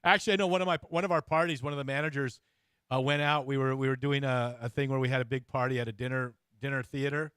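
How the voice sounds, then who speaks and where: A dry, close recording of a man with a medium-pitched voice. He hosts in a loose, jokey conversational style, bantering and often feeling his way through a sentence. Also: fairly even intonation, a bit bright, clear, resonant tone, dry recording. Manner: informal, bantering, halting phrasing. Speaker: interview host. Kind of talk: casual, jokey chat.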